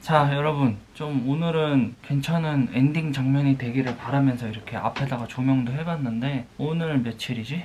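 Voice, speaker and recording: A man speaks in a somewhat breathy voice. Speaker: vlogger, office worker. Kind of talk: vlog narration. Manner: casual, chatty.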